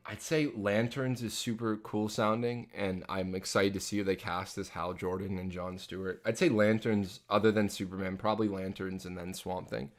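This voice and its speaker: Young male streamer, very deep voice, casual rambling chat-reading host. Loose and self-interrupting. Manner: rambling, reads chat questions aloud, frequent ums and restarts. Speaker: livestream host answering chat. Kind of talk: casual live Q&A. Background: jazz playing from a phone.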